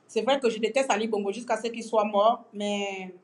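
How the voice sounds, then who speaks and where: A Gabonese-accented woman from Gabon ranting in a mocking, animated way in a casual vlog. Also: mid-range voice, normal speed. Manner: mocking, animated, breaks into song. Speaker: vlogger. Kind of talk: casual political rant.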